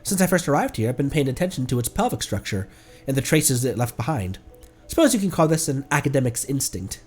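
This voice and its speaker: A man voicing an earnest, pedantic academic who lectures in a halting way. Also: mid-range voice, big pitch swings, a little mellow, slightly rough, soft background music. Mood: earnest, lecturing. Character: earnest, pedantic young academic of marine bones.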